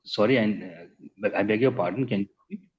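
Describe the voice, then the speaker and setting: Indian executive, husky voice on muffled call. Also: male voice, on the low side, quick pace, darkish tone. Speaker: company executive answering investor questions. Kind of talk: earnings call question-and-answer. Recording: muffled conference call audio.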